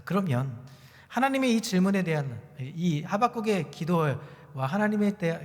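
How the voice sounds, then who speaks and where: High-voiced pastor preaching in a hall. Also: male voice, darkish tone. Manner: earnest preaching, slowing to stress key words. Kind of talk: sermon. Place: church sanctuary. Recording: church hall with long reverb.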